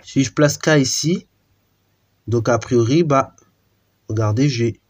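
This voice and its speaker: A man's voice: medium pitch, slow. Man explaining math, casual with fillers. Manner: informal, lots of fillers and restarts. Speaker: math teacher.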